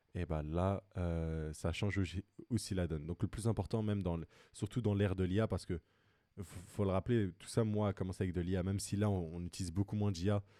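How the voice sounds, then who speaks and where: Very deep and low in pitch, a man talks at a fairly quick pace with fairly even intonation and a dark, mellow tone. The sound is dry and close with no echo, in a very clean recording with a silent background. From France. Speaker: crypto content creator. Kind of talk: casual vlog monologue. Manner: casual, many hesitations and restarts.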